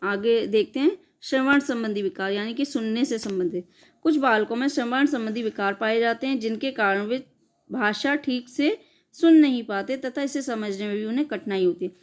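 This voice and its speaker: High-voiced woman teaching a lesson. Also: moderate pace. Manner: explains step by step, asks and answers her own questions. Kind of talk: exam-prep lecture.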